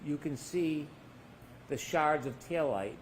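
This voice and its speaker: A man's voice: fairly high pitch, slow, slight background noise, poor audio. A man working as a defense attorney, cross-examining a witness with pointed leading questions that end in tags, heard in a courtroom recording.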